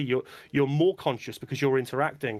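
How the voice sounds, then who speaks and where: A man with a British accent speaks while music plays in the background. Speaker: film teacher. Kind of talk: casual chat.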